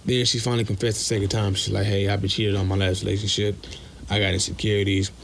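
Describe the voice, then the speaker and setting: A young man with a low voice tells a personal story in a casual voice message. He is blunt and curses freely, and acts out the dialogue as he goes. Faint noise sits behind him. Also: flat delivery, fast, gravelly. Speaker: listener sending a voice message.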